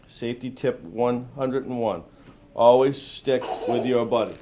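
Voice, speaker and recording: A man's voice: medium pitch, unhurried, mellow, slight background noise. A man who is a police officer, reading a picture book aloud to children. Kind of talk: children's storybook read-aloud.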